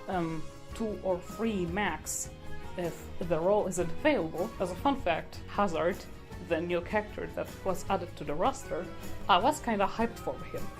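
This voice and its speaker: Young woman chatting over music. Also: lowish voice. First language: Polish. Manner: chatty, rambling, with fillers. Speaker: artist. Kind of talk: casual voice-over commentary. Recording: voice-over with loud background music.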